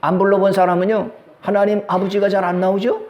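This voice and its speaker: A man's voice: sits high, little pitch movement, fast, reverberant, dull audio. A middle-aged male pastor preaching a sermon, often asking the congregation questions and waiting for their answer. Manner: preaching with call-and-response questions.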